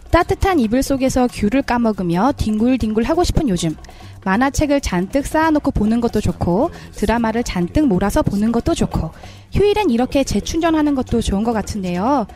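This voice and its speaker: A woman hosting a community radio show in a polite, even-toned way, her voice touched by a cold. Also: on the high side, fairly quick, faint music behind. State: has a cold. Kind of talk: friendly scripted radio hosting. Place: small community broadcasting studio.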